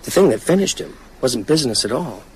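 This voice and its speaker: A man's voice: mid-range voice, animated, fast, a little mellow, a little hiss or hum, lightly acted, low-quality recording. An actor playing a haunted, reflective male novelist in a radio drama, talking hesitantly as he confides. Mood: grave, storytelling. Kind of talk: naturalistic radio drama dialogue.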